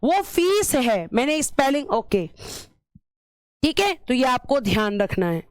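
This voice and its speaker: A woman's voice: sits high, sing-song, unhurried, dry recording, clean studio sound. A woman teacher giving an exam-prep lecture, repeating key terms and asking and answering her own questions, calling her students "beta".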